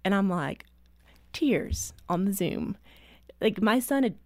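A woman's voice: medium pitch, expressive, slow pace, darkish tone, dry recording. A woman in her thirties, a mother and author, telling personal stories earnestly in an interview and growing emotional at times. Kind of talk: interview conversation.

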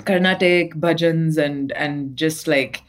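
Chatty woman, fairly low voice. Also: slow. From Dubai. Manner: chatty, laughs often, many fillers. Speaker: guest singer-songwriter. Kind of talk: casual interview chat.

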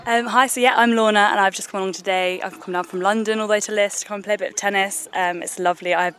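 A woman's voice: mid-range voice, steady tone, fast talker, a bit bright, smooth. A woman tennis player chatting casually on an outdoor court after a game. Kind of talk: casual interview.

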